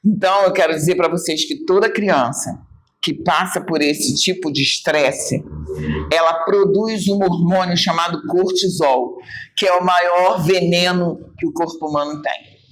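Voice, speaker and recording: A woman's voice: on the low side, unhurried. A woman with a Brazilian Portuguese accent leads a church Bible study lesson. She speaks emphatically and expressively, addressing her listeners directly and acting out remarks in changed voices. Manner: emphatic and expressive, talks straight to the group.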